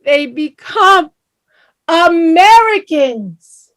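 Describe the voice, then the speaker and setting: A woman's voice: extremely high pitch, lively intonation, very slow, fairly bright tone, heavily acted. A woman playing a vain, spirited middle-aged Latina immigrant mother in a staged play reading, coaxing and wry. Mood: hopeful. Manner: coaxing, mixes in Spanish words.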